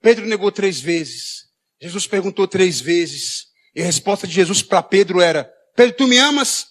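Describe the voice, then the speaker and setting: High-voiced shouting Brazilian preacher. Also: male voice, moderate pace, breathy edge. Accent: Brazilian Portuguese. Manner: shouting preacher, acts out quoted dialogue. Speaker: pastor. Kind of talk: sermon. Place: church.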